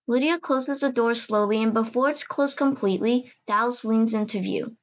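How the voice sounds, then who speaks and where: A woman's voice: fairly high pitch, normal speed, highs cut off. A woman reading scripted narration for an audio drama.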